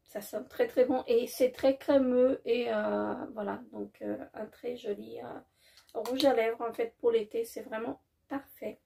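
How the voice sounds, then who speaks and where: Female beauty vlogger, slightly high, gravelly tone; casual, halting unboxing chat, enthusiastic. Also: steady tone. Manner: hesitant, many filler pauses and restarts; warmly enthusiastic about products.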